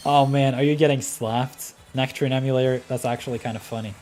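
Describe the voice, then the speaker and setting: A Norwegian man with a Norwegian accent hosts a live game stream, commentating and reading chat as he talks easily with viewers between plays, with frequent ums and laughs. His mid-range voice is fast, fairly even in intonation, and a little mellow. Faint music plays behind him.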